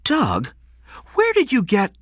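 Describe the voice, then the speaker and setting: A narrator voicing an anxious, frantic mother with a shrill, pleading delivery. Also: huge pitch swings, slow, no echo, studio quality, heavily acted. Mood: alarmed. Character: frantic mother, high-pitched and anxious woman.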